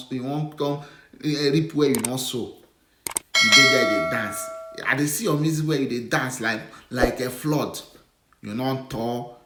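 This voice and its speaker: A man's voice: mid-range voice, fairly bright tone, roomy sound. A Nigerian man scolding and mocking someone in a lecturing video response.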